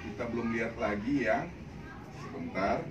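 A man's voice: medium pitch, lively intonation, moderate pace, lo-fi sound. An older man, chatting upbeat and casual as he sells clothes on a live stream from a small shop. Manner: chatty, upbeat, repeats greetings and slang. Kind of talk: casual live-selling chat. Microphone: phone camera across the shop. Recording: echoey shop with loud noise.

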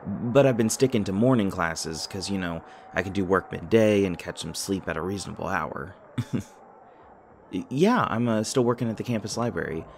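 A man's voice: sits low, moderate pace, vocal fry, slight background noise. A man playing an anxious, nerdy young college student in an audio roleplay, rambling and stammering self-consciously. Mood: flustered, friendly. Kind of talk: naturalistic audio roleplay acting.

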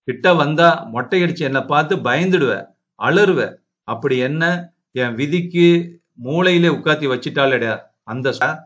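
A man's voice: a little high, fairly bright tone, lightly acted. A man voicing an anguished seventy-year-old grandmother who laments, pleads and rebukes her son, on a dull lo-fi recording.

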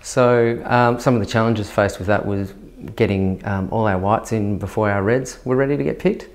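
A man, speaking as a winemaker in a filmed interview, measured and dotted with fillers. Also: on the low side. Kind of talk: documentary interview. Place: indoor winery tasting room. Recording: music bed underneath.

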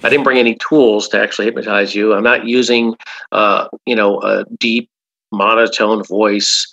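A man's voice: lowish voice, little pitch movement, normal speed, creaky, bright, forceful tone, muffled recording. A man, a hypnotherapist guest in an interview, talking emphatically and often repeating "absolutely". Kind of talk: casual interview talk.

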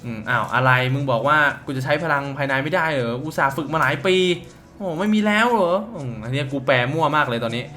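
A man's voice: fairly high pitch, quick pace, bright, forceful tone. A man giving casual, crude and joking commentary while playing a mobile game, reading its dialogue aloud. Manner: crude, profane, joking banter. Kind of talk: casual let's-play commentary.

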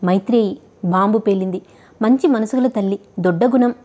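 A woman voicing a kindly, world-weary old male chauffeur who speaks in a gentle, consoling way. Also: mid-range voice, normal speed, natural voice.

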